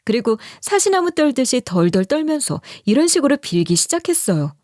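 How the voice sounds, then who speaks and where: A woman narrating a true-story drama in the first person, with expressive storytelling. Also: high voice, fairly quick, no room sound, clean studio sound.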